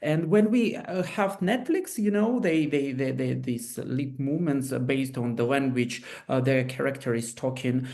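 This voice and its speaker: A non-native English-speaking man explains technology on a webinar panel over a video call, hesitant and full of fillers and restarts. His voice is mid-range and darkish, at a moderate pace with hardly any pauses.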